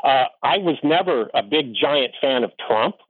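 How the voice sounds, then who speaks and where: A man's voice: mid-range voice, expressive, unhurried, slightly rough, no room sound. Emphatic man on a tinny phone line. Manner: emphatic, lecturing, with many fillers and restarts. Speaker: economist guest. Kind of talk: opinionated political commentary.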